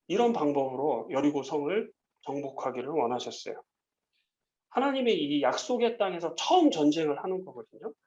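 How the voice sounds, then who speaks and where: A man teaching a Bible lesson to children, gently asking them questions and often pausing on "uh.". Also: a little high, highs cut off. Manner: gentle, asks the children questions, frequent "uh" fillers. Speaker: Sunday school teacher.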